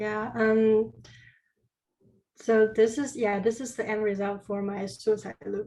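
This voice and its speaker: A woman talks very slowly with a Chinese accent. Her pitch is fairly high and her intonation fairly even. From China. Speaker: art student. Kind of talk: interview. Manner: halting.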